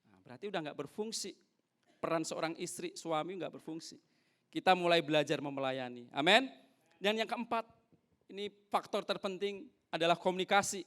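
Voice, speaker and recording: A young male pastor preaching a sermon in church, lively, acting out little exchanges between husband and wife. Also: high-pitched, moderate pace. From North Sulawesi, Indonesia. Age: young adult.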